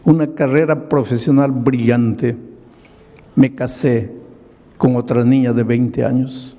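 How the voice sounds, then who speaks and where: A man's voice: mid-range voice, fairly even intonation, slow, mellow. A man acting out a remorseful, grieving middle-aged drunkard who pleads and confesses. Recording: echoey large hall.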